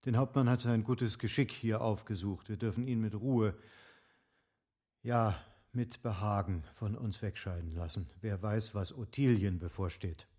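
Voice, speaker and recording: An actor playing an evasive, lovestruck middle-aged gentleman husband in a literary radio drama, with formal, articulate phrasing. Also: fairly low pitch, measured pace, breathy edge. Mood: evasive, reasoning.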